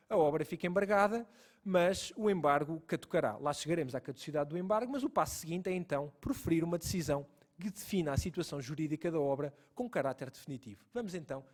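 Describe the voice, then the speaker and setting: A man with a European Portuguese accent, a lecturer and lawyer giving a legal lecture, explaining step by step and repeating key points for emphasis. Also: on the high side.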